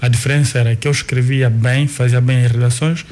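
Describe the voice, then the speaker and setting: A man in his forties with an Angolan Portuguese accent whose first language is Kikongo. He is a guest recalling his life in an unhurried, searching way, often restarting and repeating words. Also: medium pitch, fairly even intonation, darkish tone. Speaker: guest, artist and cultural manager. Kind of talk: reflective life-story telling.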